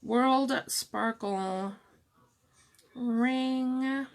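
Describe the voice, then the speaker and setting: During a slow live-stream product showcase of jewelry, a middle-aged woman speaks softly and calmly, greeting viewers by name as she replies. She has a high voice.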